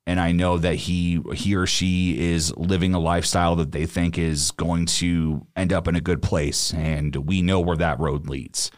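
A young man with a very low, deep voice co-hosts a casual podcast. He rambles, restarting his sentences and filling the gaps with "like" and "um". The sound is dry and close, with no room around it. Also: level tone, normal speed, few pauses, no room sound. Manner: rambling, many fillers and restarts. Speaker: podcast co-host.

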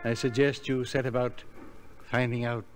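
An actor playing an earnest, cryptic skid row philosopher in old radio style, with formal, preachy, halting speech. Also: male voice, mid-range voice, level tone, faint music behind, natural voice. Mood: earnest warning. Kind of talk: old-time radio acting. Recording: old radio recording, faint noise.

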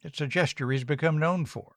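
A man hosting a radio news program, reading his script in an even, measured way. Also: fairly high pitch, dry recording.

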